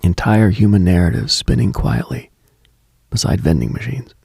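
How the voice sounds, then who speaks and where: A man delivers a brooding late-night radio monologue in a hushed, contemplative way. His voice is low and heavily gravelled, with a close, dry sound. He reads like a mystical broadcast host speaking into the small hours. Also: big pitch swings, normal speed, dry recording.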